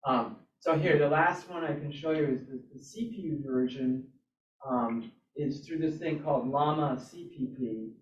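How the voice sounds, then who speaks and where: A man giving a casual live demo at a club meetup, halting and thinking aloud as he goes. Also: a little high. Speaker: presenter at a robotics club meetup. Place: indoor hybrid club meeting, away from mic. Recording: roomy, distant, dull meeting-room sound.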